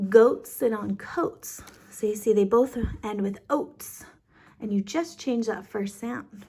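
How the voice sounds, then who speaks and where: A woman's voice: a little high, vocal fry, darkish tone, breathy edge. A woman kindergarten teacher explaining a lesson casually, step by step, in an informal, encouraging way.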